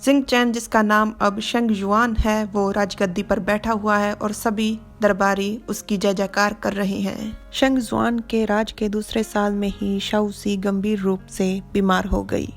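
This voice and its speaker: A woman narrating a story explanation in an expressive, dramatic way. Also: mid-range voice, a little slow, few pauses, soft background music.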